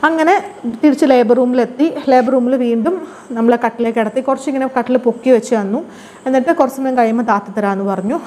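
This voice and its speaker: Fast-talking high-voiced woman vlogger. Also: a little mellow, a little hiss or hum. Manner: chatty, mixes English words into her speech. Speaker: vlogger telling her own birth story. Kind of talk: casual personal storytelling.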